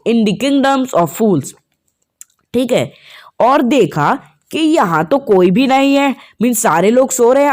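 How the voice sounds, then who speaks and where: A woman teacher casually retelling a textbook story for students, chatting to listeners and often repeating key points. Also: on the high side. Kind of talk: casual storytelling explanation of a class lesson.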